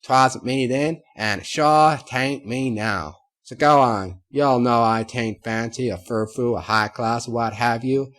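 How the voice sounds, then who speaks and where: A man's voice: medium pitch, unhurried, few pauses, fairly bright tone, lightly acted. A man voicing a plainspoken farm mare. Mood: defiant. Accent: Southern US. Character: proud honest farm mare, southern twang.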